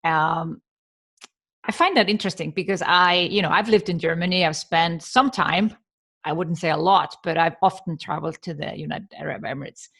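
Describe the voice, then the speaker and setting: A woman's voice: lowish voice, moderate pace, vocal fry, fairly bright tone. Icelandic-born woman hosting a podcast. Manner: friendly, conversational, laughs easily. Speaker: podcast host. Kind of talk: casual interview chat.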